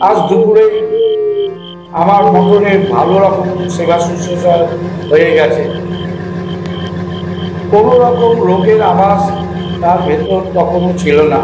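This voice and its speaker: A man's voice: sits high, big pitch swings, measured pace, long pauses. A man reading a scripted horror story as its narrator. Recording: roomy echo under loud music. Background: background music.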